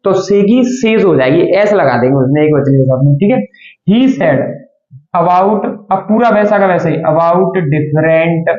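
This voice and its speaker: A man's voice: sits high, lively intonation, normal speed, a little mellow, roomy sound, lo-fi sound. A man teaching an English grammar lesson, asking questions and answering them himself and calling his students children.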